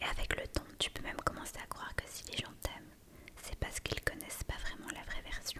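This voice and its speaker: Whispering in a gentle, soothing tone, the voice comes through over noticeable background noise. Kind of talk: ASMR whispered talk. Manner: whispered.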